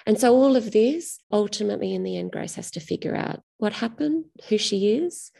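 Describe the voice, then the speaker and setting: A woman's voice: medium pitch, animated, normal speed, vocal fry, dark tone. A middle-aged woman, an author talking through her novel in an interview, thoughtful and often restarting her phrases. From Australia. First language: Greek.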